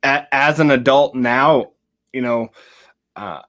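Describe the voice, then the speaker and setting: A man's voice: mid-range voice, fairly bright tone. Hesitant male podcast co-host. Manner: hesitant, halting. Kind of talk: podcast interview.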